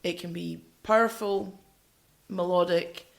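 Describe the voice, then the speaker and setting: A woman's voice: on the low side, fairly even intonation, takes it slowly, creaky. A woman co-hosting a music podcast, chatting casually and giving opinions emphatically in short phrases.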